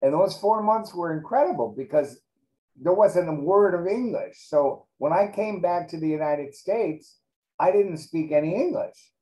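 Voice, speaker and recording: A middle-aged man whose first language is Greek, reflecting in an oral history interview, halting and restarting often. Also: sits high, expressive, warm tone, poor audio.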